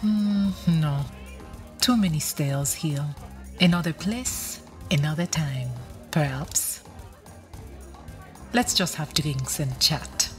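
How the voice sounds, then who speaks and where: A woman's voice: sits low, lively intonation, slow, pauses often. An actress playing an elegant, coy, mysterious seductive vampire woman in an audio drama, speaking in brief formal phrases. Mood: coy, flirtatious. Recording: music clearly behind the voice.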